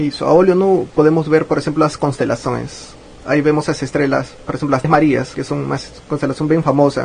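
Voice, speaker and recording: A man's fairly high, monotone, flat voice at a fairly quick pace amid noticeable background noise. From Peru, Lima. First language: Spanish (speaking Portuguese). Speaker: physics professor. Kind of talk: radio interview.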